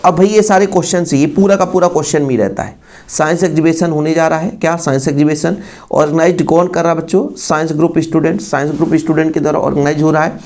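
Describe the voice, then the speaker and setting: A male teacher with a fairly high, gravelly, slightly mellow voice leads an exam-prep lesson. When he reads English his Indian accent comes through, and he often repeats phrases and throws out rhetorical questions.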